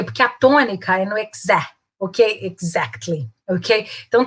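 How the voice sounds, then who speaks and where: A woman's voice: a little high, a bit bright. Chatty Brazilian woman teaching English. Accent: Brazilian Portuguese. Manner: chatty, many tag questions like né and ok; slow, careful model phrases in English. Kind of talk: casual online English lesson.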